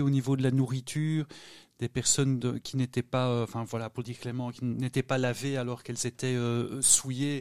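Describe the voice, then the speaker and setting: A man's medium-pitched, monotone voice at a moderate pace, dry and close with no echo, on a very clean recording with a silent background. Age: 50s. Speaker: journalist. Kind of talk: radio panel discussion.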